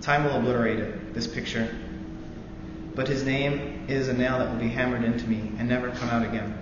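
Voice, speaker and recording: Young man reading in an echoey hall. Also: medium pitch. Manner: halting intro with many fillers, then steady earnest reading. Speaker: student veteran reading aloud. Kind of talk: live reading of a novel passage. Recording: roomy echoey hall, dull lo-fi sound, noisy.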